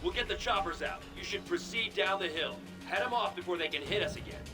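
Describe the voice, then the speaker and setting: A male actor plays a harried soldier in a video game. The voice is high and directing. Loud music surrounds it. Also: fairly quick, lightly acted. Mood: urgent. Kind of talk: video game cutscene acting. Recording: loud music and vehicle behind.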